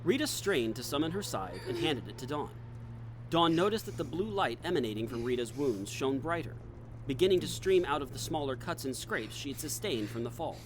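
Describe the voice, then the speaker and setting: A measured male storyteller, voiced by a man with a medium-pitched voice, delivering scripted audio drama narration. A busy din sits behind the voice. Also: sing-song, crowd noise, lightly acted, poor audio. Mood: measured, descriptive.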